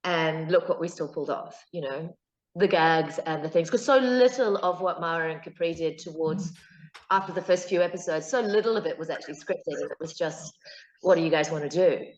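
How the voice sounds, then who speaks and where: A woman with a New Zealand accent, a guest actor, chats casually in an interview in a low, slightly fast voice, packing her talk with fillers and side stories. She's chatty and anecdotal, and the call audio is echoey, dull and lo-fi.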